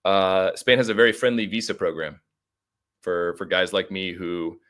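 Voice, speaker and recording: A middle-aged man with an American accent speaks in a low voice. He talks as a podcast guest, in a casual storytelling way. His manner is informal and talkative, wandering through asides. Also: steady tone, normal speed, a bit bright. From United States (Arizona).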